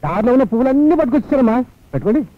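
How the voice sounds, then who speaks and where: A talkative young servant who flatters nonstop in a high, rapid voice. The sound is thin and phone-like, with film music underneath. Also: male voice, dry recording. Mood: flattering. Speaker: film hero. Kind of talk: Telugu film dialogue.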